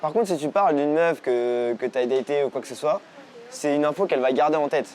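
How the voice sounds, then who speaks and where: A man working as a dating coach, giving energetic, slangy coaching commentary out on a city street. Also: a little high, brisk. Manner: energetic, casual slangy talk.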